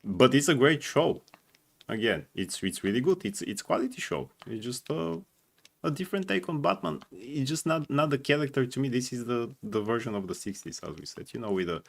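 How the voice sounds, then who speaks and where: A man chatting casually and giving his opinions as a fan panelist, often halting and repeating words as he goes. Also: mid-range voice, expressive, creaky. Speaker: panelist on a fan ranking show.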